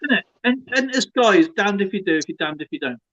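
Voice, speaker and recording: This stream co-host from England has a high-pitched, expressive voice that sounds pushed and bright, and he talks fast. Chatting casually, he tells stories full of jokes and laughs often, all on dull lo-fi audio.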